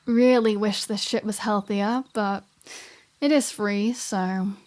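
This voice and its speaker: A woman's voice: mid-range voice, steady tone, takes it slowly, darkish tone, natural voice. Sardonic flirty vampire woman, acted by a woman. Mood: teasing, casual. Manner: sarcastic, foul-mouthed, breezy banter. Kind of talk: scripted ASMR roleplay audio drama.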